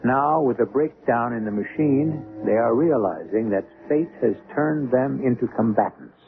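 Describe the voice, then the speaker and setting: An actor as the wry host and narrator of an old-time radio drama, speaking in a deliberate, theatrical way. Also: male voice, medium pitch, animated, phone-quality sound, faint music behind, natural voice. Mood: dramatic, ominous. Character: wry, theatrical male host of suspense tales. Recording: band-limited old radio recording.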